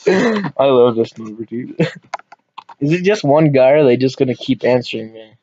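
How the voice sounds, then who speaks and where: A man's voice: mid-range voice, expressive, moderate pace, warm tone. Amused prank-calling man. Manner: laughing, amused, swearing. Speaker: prank caller, video host. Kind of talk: casual commentary to camera. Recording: slightly dull lo-fi audio.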